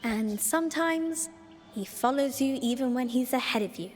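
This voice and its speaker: An actress playing an enigmatic, playful girl guide in a mythic Persian video game, with a cryptic, gently teasing manner. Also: high voice, normal speed, close to an everyday voice. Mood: reassuring, teasing. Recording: long reverb, faint music behind.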